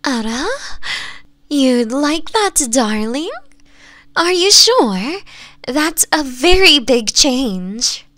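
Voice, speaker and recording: A woman voicing a doting, possessive fox-woman mistress in an intimate ASMR roleplay, softly coaxing and often slipping into whispers. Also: sits high, very animated, very slow, long pauses, dry recording, heavily acted. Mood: pleased, devoted. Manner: soft, breathy, coaxing, often dropping into whispers.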